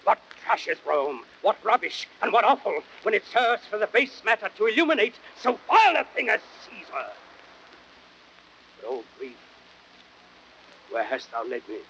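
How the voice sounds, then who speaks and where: Roman conspirator, bitter and persuasive, higher-pitched, theatrical, noisy vintage drama record. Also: male voice, big pitch swings, moderate pace, sharp tone, full character voice. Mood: bitter, impassioned. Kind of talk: classic Shakespearean radio acting, declamatory. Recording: noisy old audiodrama record.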